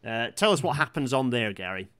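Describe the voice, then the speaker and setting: A man hosting a casual livestream chat, talking in a halting way and often repeating himself as he reads out comments. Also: mid-range voice, big pitch swings, fairly bright tone, smooth. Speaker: livestream host.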